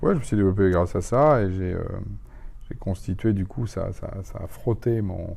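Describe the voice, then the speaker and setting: A man speaks with a dark, mellow tone and a fairly low pitch. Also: ordinary pitch variation, moderate pace. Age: 50s. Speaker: tech entrepreneur. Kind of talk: casual interview. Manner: halting with many fillers.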